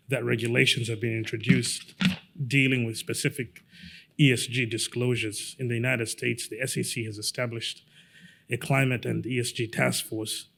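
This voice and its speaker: A middle-aged man from Zambia gives a lawyer's conference talk, his voice gravelly and held to a narrow, even pitch. He speaks in a measured, halting way, often pausing on fillers. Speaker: lawyer giving a conference presentation. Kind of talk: conference presentation.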